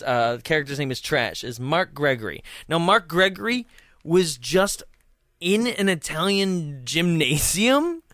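A man's voice: on the high side, bright, forceful tone, clear, resonant tone, no echo, clean studio sound. A young man chatting casually about a movie as a podcast co-host, rambling with many fillers and frequent laughs.

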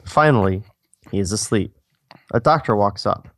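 A man's voice: lowish voice, expressive, normal speed, fairly bright tone, no room sound. A man co-hosting a casual, joking script read-through, narrating stage directions and breaking off into asides. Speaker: co-host and screenplay narrator.

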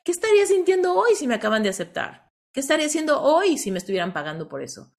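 A woman with a Mexican accent hosting a motivational coaching talk, telling stories in an animated way and often ending lines with a questioning tag. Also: medium pitch. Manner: animated storyteller, tags lines with "¿no?". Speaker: host.

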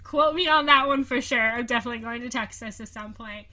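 A woman's voice: a little high, fast talker, bright, forceful tone. A young woman hosting a podcast, chatting casually and giggling often, with plenty of fillers. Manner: giggly, bubbly, lots of fillers. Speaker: podcast host. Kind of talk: casual chat. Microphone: video call recording.

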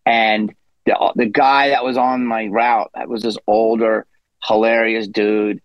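A man's voice: fairly low pitch, level tone, measured pace, no echo, lo-fi sound. A man in his fifties, a guest comedian telling a rambling story in a casual interview, with self-deprecating asides. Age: 50s.

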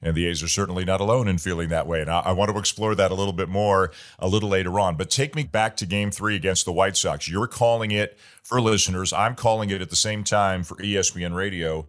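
A man with a deep, low voice hosting a sports interview. He lays out long recaps of the action before asking his questions. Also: fast, hardly any pauses. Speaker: podcast host.

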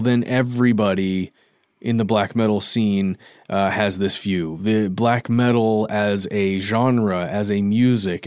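A man's voice: lowish voice, mellow, clean tone, no room sound, studio quality. A man co-hosting a podcast, talking things through in a casual, thoughtful way and qualifying his points. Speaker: podcast co-host. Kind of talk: casual discussion.

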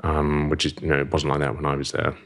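A man's voice: a bass voice, monotone, fast, vocal fry, fairly bright tone. A middle-aged man with a Zimbabwean accent telling a long story as a podcast guest, rambling and self-deprecating, swearing freely. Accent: Zimbabwean English. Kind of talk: casual storytelling.

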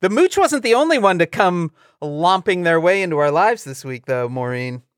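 A man co-hosting a casual comedy chat with wry, deadpan musings. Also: high-pitched, moderate pace, smooth, dry recording, studio quality. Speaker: podcast co-host.

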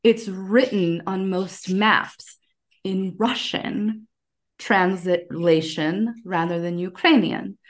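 An American woman speaks as a guest on a podcast. She has a mid-pitched voice and a casual, conversational way of explaining things. She tells stories in an animated manner, slipping into quoted dialogue as she goes. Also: takes it slowly. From United States.

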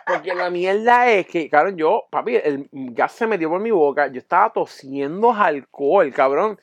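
A man telling a crude story in a podcast chat, profane and animated, acting out voices and sounds. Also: high voice, moderate pace, highs cut off, a little hiss or hum.

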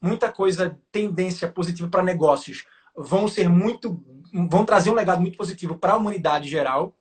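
A man chatting casually as co-host, with colloquial slang fillers. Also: sits high. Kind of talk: casual chat.

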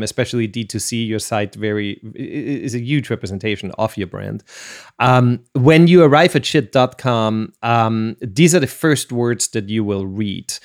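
A man hosting a podcast interview, enthusiastic and quick to laugh. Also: mid-range voice. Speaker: podcast host.

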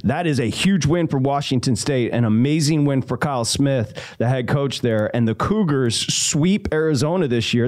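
A man hosting a sports betting radio show, chatty and telling stories with quick asides. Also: medium pitch, darkish tone.

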